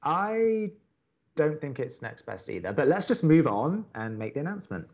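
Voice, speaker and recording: A man's voice: a little high, very animated, normal speed, darkish tone, highs cut off. A man playing a sardonic, understated young college radio co-host in an audio drama. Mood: dry, reluctant. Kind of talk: naturalistic audio drama acting.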